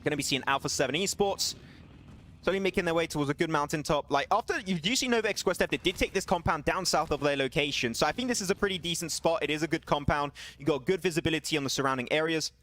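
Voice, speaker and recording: A man casting an esports match alone, excitable and chatty, laughing and bantering with his stream chat between calls. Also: on the high side, fast. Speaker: esports caster. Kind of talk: solo esports play-by-play commentary.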